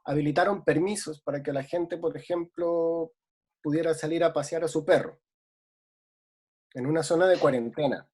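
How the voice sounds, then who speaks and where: A man's voice: on the high side, normal speed, darkish tone, slightly rough. A man from Ecuador speaking reflectively in a casual remote conversation, with many hesitations. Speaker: guest.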